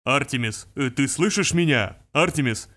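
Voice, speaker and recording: A man voicing a calm, measured adult bodyguard heard over a radio receiver. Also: mid-range voice. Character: calm grown male bodyguard. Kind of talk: audiobook character voice.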